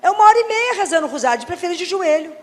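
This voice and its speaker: A Catholic doctor giving a faith talk, telling anecdotes and acting out dialogues with wry humor. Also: female voice, very high-pitched, animated, very fast, big-room sound. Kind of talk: preaching talk with lively anecdotes.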